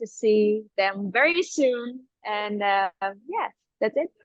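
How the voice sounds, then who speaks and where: At a very slow pace, a woman speaks in a fairly high pitch. She has a German accent. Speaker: singer. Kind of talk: interview. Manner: halting.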